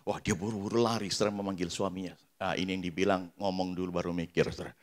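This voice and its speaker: Male pastor in a church service telling a story. Delivery is expressive, swinging from quiet to loud. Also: sits low, fast talker. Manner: animated, swings from hushed asides to loud bursts; acts out dialogue in the story. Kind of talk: storytelling sermon.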